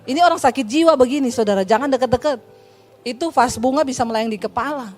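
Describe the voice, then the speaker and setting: A woman pastor with an Indonesian accent preaching a sermon, telling stories lively and acting out the voices of the people in them with humorous asides. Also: sits high, quick pace, faint music behind. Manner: lively storytelling, acts out dialogue, humorous asides.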